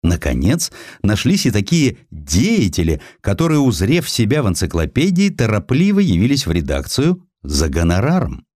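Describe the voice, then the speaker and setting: Low-pitched, animated male audiobook narrator. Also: moderate pace, hardly any pauses, dry recording, studio quality. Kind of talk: dramatic scripted narration of history.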